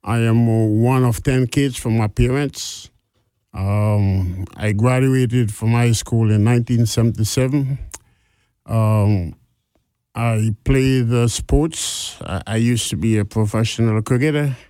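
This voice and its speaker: A man in his sixties with a Guyanese accent, a guest on a talk show, speaking with hesitant pauses and restarts. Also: medium pitch, fairly even intonation, warm tone, clear, resonant tone, no room sound. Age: 60s. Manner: hesitant, many fillers and restarts. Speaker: guest business owner. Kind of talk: interview.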